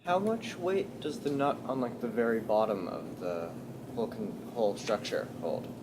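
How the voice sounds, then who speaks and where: A man's voice: medium pitch, normal speed, noisy background. An American male student asking questions in class, picked up at a distance from the microphone.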